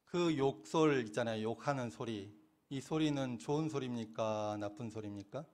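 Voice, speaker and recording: Male minister, middle-aged, mid-pitched. Delivers a questioning, conversational sermon. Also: normal speed, a little mellow. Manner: asks questions and answers them himself, laughing now and then. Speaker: Won Buddhist minister.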